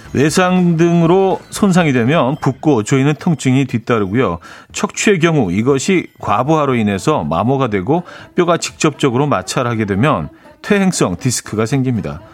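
A medium-pitched man hosts a radio show from a studio, talking casually into the studio microphone. He reads out listener messages and chuckles at his own jokes.

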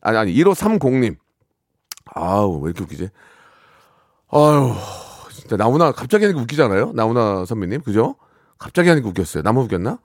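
A man hosting a phone-in impression contest on the radio, teasing callers, laughing and handing out quick verdicts. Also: mid-range voice, sing-song, no room sound, studio quality. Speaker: radio show host.

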